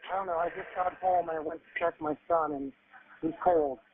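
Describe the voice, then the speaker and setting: A man's voice: high voice, sing-song, a little fast, creaky. A distressed, panicked man making an urgent emergency call over a tinny phone line. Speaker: emergency caller.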